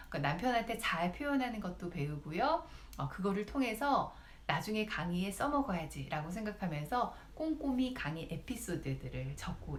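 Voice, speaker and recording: A woman speech lecturer and YouTuber giving advice, speaking directly to her viewers. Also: mid-range voice. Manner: lively, directly addresses viewers. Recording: roomy echo.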